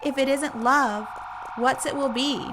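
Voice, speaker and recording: A woman's voice: sits high, fairly even intonation, measured pace, noisy background, voice pushed up. A woman voicing an obsessive, clingy young woman in a scripted story, with music behind her.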